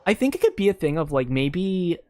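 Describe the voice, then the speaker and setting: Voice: mid-range voice, sing-song, fairly quick, darkish tone. A game streamer thinking aloud in casual commentary, speaking in a hesitant, rambling way full of fillers. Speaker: streamer playing a video game. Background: video game music.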